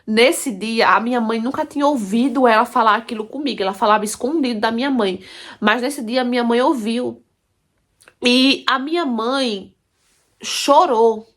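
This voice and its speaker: A woman's voice: a little high, moderate pace. Emphatic woman storyteller. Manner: emphatic, repetitive, addresses listeners as "gente". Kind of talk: first-person story narration.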